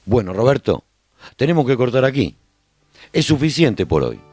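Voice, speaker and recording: Guy narrating a radio serial, soft dark tone, really varied intonation, measured delivery. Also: mid-range voice, very animated. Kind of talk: scripted radio drama narration, documentary tone.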